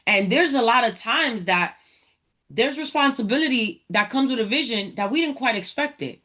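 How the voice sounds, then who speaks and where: A woman's voice: a little high, expressive, moderate pace, sharp tone. A woman from the Dominican Republic hosting a motivational faith talk, speaking energetically and preacherly and addressing listeners as y'all. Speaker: podcast host, entrepreneur.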